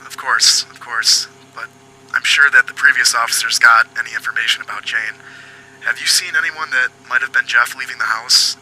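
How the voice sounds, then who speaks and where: A man playing a foul-mouthed but apologetic police agent in an audio drama, questioning politely and haltingly. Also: mid-range voice, steady tone, bright, forceful tone, rough recording. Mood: probing, determined. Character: foul-mouthed, apologetic male detective agent hunting a killer.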